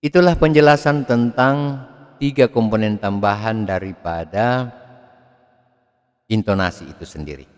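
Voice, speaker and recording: A man giving a video lecture on public speaking, expressive, swinging his pitch and loudness to demonstrate. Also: measured pace, long pauses, clear, resonant tone. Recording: long hall reverb.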